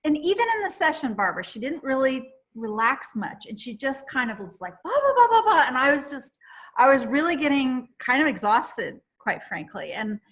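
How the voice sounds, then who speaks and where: A woman hosting a chat, telling a long story in an animated, rambling way with many restarts. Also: mid-range voice. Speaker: host.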